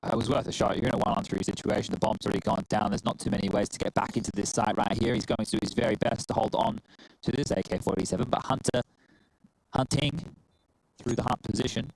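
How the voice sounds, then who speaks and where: A man with an Australian accent calling an esports match play-by-play, brisk and playful between rounds. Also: fairly low pitch, fairly even intonation, vocal fry, noisy background. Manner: brisk, quick-talking, playful banter. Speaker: esports caster. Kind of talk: play-by-play commentary.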